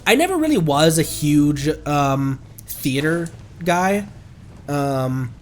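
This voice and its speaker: A young man streaming a game in casual chat, congested and stuffed up, rambling with many ums and breaking into sudden excited outbursts. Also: a little high, takes it slowly.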